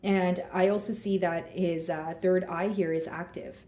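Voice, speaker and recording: A woman with a hoarse, scratchy throat reads tarot cards for her viewers, thinking aloud as each card turns up. Her voice sits fairly low and sounds mellow and soft-edged. The sound is roomy, with noticeable echo around her. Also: steady tone, a little slow. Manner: thinks aloud while drawing cards, speaking straight to viewers. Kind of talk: casual tarot reading to camera.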